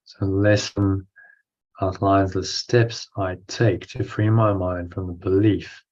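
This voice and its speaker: A man with a low, very level voice leads a breathing meditation. He gives instructions in short phrases, pausing between them, and reads affirmations to be repeated. The recording sounds dull and lo-fi. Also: level tone, a little mellow. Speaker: guided meditation teacher.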